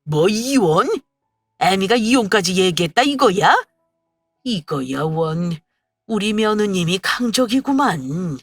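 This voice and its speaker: A woman's voice: medium pitch, expressive, slow pace, dry recording, soft background music. A woman voicing an older father who grumbles in a folksy, resigned way, in a storybook radio drama. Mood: wry.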